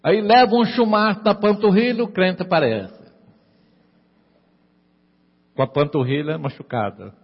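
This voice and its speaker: A man's voice: high voice, a little slow, long pauses, breathy edge, big-room sound, lo-fi sound. A man preaching a sermon in a church. He repeats his lines for emphasis and keeps asking the congregation "amen?". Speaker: pastor.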